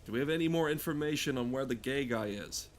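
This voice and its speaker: A man's voice: mid-range voice, fast. A man giving crude, comedic, rambling commentary while playing a game, swearing often. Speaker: gamer talking over gameplay.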